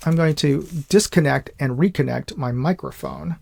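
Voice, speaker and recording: A middle-aged American man hosting a casual live chat, speaking haltingly and often repeating himself. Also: fairly high pitch, vocal fry, darkish tone, dry recording. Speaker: live show host. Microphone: USB microphone.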